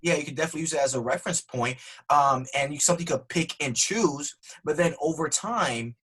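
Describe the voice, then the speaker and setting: Male podcast guest, husky and slightly high-pitched, earnest and lively. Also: brisk, poor audio. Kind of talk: conversational interview.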